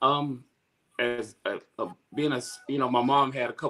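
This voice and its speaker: A man speaks at a medium pitch. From Florida, West Palm Beach area (moved from New York at 13). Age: 40s. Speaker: former gym owner sharing life story. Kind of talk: interview testimony. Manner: halting.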